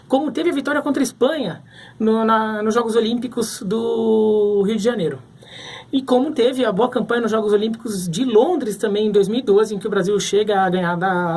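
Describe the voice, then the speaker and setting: A man's voice: high voice, a little mellow. A man from Brazil giving casual sports commentary to camera, thinking aloud with frequent restarts.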